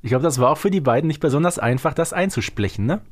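A man's voice: fairly high pitch, lively intonation, quick pace. A man talking casually as a podcast co-host in an informal conversation. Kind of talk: casual chat about an audio drama series.

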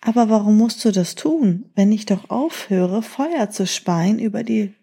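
A woman voicing a gentle, sad fire-breathing dragon in a children's story. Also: medium pitch, animated, unhurried, gravelly, slightly rough, heavily acted. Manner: sad, reasonable.

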